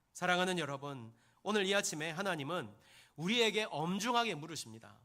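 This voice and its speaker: Bright, high-voiced pastor preaching. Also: male voice. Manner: storytelling with rhetorical questions to the congregation; addresses listeners as "여러분". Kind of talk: sermon.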